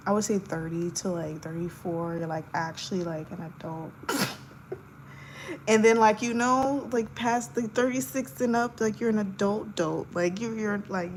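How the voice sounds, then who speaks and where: A woman's voice: on the low side, low-quality recording. A young woman in her twenties talks casually to her viewers as she draws. Her chat is loose and giggly, full of fillers. A faint hum sits under the voice. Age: 20s. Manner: chatty, giggly, lots of fillers. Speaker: art livestreamer. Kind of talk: casual chat while sketching.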